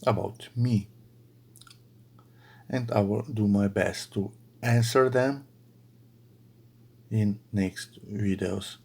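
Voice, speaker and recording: A middle-aged Slovenian man with a somewhat low, husky voice talks slowly and haltingly to his followers, full of fillers and restarts. He chats casually while he crochets in his bedroom. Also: darkish tone. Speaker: crochet video creator. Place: bedroom at home.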